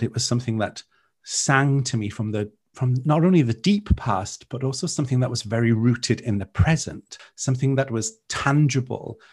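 A man with a Welsh accent, a native Welsh speaker, talking as a guest in an interview in a measured, lyrical, reflective way. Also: medium pitch. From Wales. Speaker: guest, author. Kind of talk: interview conversation.

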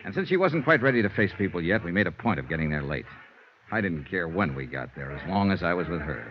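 Very low, steady private investigator narrating; expressive, old-broadcast sound. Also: male voice, quick pace. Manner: steady, reassuring, hushed when comforting. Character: tough but tender male private investigator. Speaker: narrator and lead. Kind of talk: 1950s radio drama narration. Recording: dull old radio broadcast, faint hiss.

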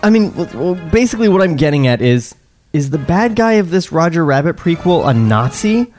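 A man's voice: fairly high pitch, sing-song, fairly quick, a little mellow, soft background music. Man reading stage directions aloud. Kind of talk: casual comedic chat and script narration.

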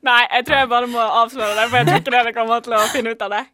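A woman hosting a word quiz on student radio in casual, playful chat with frequent filler pauses. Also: fairly high pitch, steady tone, sharp tone. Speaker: quiz host. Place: radio studio.

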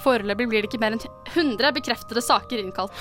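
A woman reading the part of a calm doctor, stumbling over medical terms. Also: a little high, over music, lightly acted. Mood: clinical. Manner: plain read-aloud, stumbling on medical terms.

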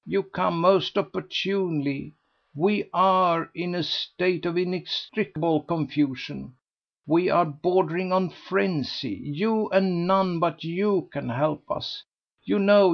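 A man's voice: high-pitched, slow pace, vocal fry, muffled recording, voice pushed up, full character voice. A man doing a gushing gossipy society lady. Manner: breathless, gushing, pleading. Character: gossipy excitable society lady, older woman.

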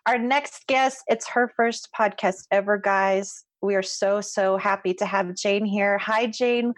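A woman's voice: medium pitch, fairly even intonation, measured pace, no echo. A woman hosting a podcast, opening the show and introducing guests in an upbeat, enthusiastic way. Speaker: podcast host. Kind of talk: casual podcast chat.

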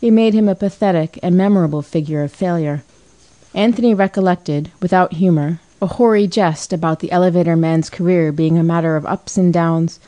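A woman narrating a classic novel as an audiobook in a calm, even storytelling manner. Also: on the low side, a little fast. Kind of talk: scripted narration.

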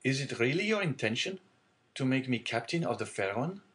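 A man reading aloud and voicing an earnest, respectful young sailor who speaks gravely and eagerly. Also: mid-range voice, big pitch swings, a little fast, fairly bright tone. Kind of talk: audiobook character reading.

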